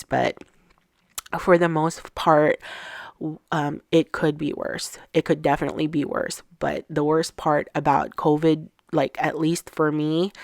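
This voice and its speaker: A middle-aged woman with a deep, stuffy voice and a touch of a sore throat narrates a crafting tutorial. She explains each step at an unhurried, leisurely pace. The recording is close and dry. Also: vocal fry, a little mellow, dry recording. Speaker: craft channel host.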